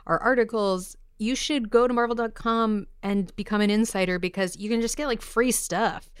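A woman's voice: on the high side, moderate pace, clear, resonant tone, dry recording, studio quality. Clean-voiced, chatty female podcast co-host. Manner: chatty, enthusiastic, playful. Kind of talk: casual upbeat promotional chat.

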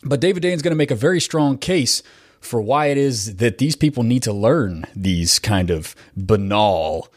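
A man's voice: medium pitch, lively intonation, moderate pace, dry recording, studio quality. Congested, nasal-sounding male podcast host. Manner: rambling, chatty, with fillers and self-corrections. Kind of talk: casual podcast intro monologue.

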